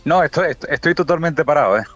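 A man's voice: a little high, expressive, fast talker, a bit bright. A man in his sixties from Spain, calling in from a roadside to a radio interview. His phone line keeps breaking up, and he answers matter-of-factly, repeating words when he is not heard. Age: 60s. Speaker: guest calling in from the road. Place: outdoors by a road. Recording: dull dry phone line.

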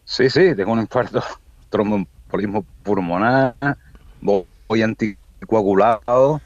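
Calling into a radio show from outdoors by a road, this Spanish guest in his sixties talks slowly in a low-leaning voice, dry in sound. His dull phone connection breaks up repeatedly, and he plainly repeats himself whenever he isn't heard.

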